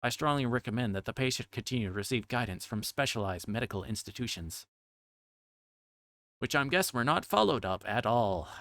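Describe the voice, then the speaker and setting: A man's voice: mid-range voice, lively intonation, brisk, a bit bright, dry recording. A man livestreaming a game, reading its text aloud and sometimes stumbling over difficult words.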